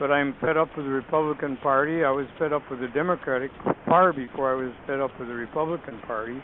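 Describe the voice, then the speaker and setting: A man talks very fast at a fairly high pitch, his intonation fairly even. Noticeable background noise sits behind him. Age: 80s+. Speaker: caller, business owner. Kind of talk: phone-in question. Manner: halting, repetitive.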